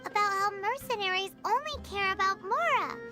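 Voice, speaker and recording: A woman voicing a small, excitable, naive and cheerful fairy-like companion in a video game, with a squeaky childlike voice and exclamatory way of talking. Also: moderate pace. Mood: curious. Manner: exclamatory, refers to self in third person. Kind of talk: animated video game voice acting. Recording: loud music behind the voice. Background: music.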